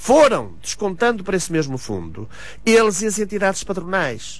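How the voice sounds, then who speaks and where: With audible room echo, a man speaks at a moderate pace in a high pitch, his voice making very wide pitch swings. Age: 60s. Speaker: president of accountants' professional body. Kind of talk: radio interview.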